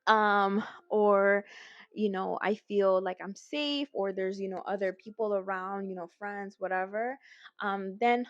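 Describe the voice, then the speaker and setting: A woman's voice: mid-range voice, measured pace, dry recording, dull audio. A young woman with a Los Angeles Latina accent, telling a casual storytime and acting out quotes with lots of fillers. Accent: Los Angeles Latina, mixes in Spanish. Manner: animated, acts out quotes, frequent fillers. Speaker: vlogger.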